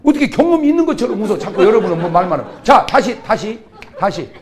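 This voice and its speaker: A middle-aged man preaching a humorous revival sermon, acting out quarrels between couples in sudden loud outbursts. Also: high-pitched, very animated, fast. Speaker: pastor.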